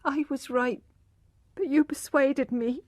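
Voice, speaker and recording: A woman voicing an ashamed young wife near tears, speaking in a high, trembling, pleading voice. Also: slow, a little mellow, no room sound, clean studio sound. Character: tearful, ashamed young wife, humble and despairing.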